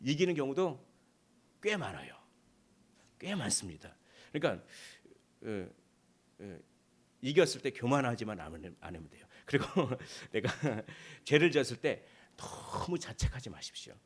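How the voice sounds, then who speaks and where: A man's voice: mid-range voice, very animated, a little slow, slightly rough. A male pastor preaching a sermon in a conversational way, asking rhetorical questions and acting out short dialogues.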